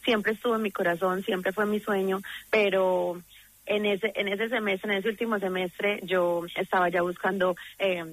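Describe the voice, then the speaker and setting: A woman's voice: medium pitch, steady tone, normal speed, no room sound, rough recording. Effusive Colombian woman from Medellín. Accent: Colombian paisa. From Medellín, Colombia; grew up in the United States. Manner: earnest and effusive, frequent restarts. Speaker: singer guest. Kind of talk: promotional interview.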